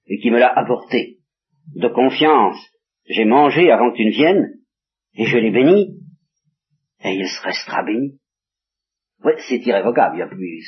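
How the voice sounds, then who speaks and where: A man's voice: mid-range voice, slightly rough. A man reading a Bible story aloud and stopping to explain it to his listeners, on an old 1960s tape. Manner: reads quoted speech with small voice changes, breaks off to explain. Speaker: Bible teacher. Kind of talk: reading and commenting scripture to listeners. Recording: dull lo-fi 1960s tape recording.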